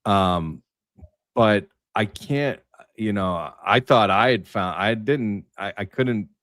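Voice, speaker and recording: Low-voiced man thinking aloud, halting. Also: fairly bright tone, no room sound. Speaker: livestream panelist. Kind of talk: rambling livestream roundtable discussion.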